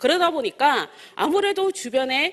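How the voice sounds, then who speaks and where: A woman speaks with a Daegu accent. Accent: Gyeongsang dialect (Daegu). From Daegu, South Korea. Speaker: network marketing distributor. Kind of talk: seminar talk.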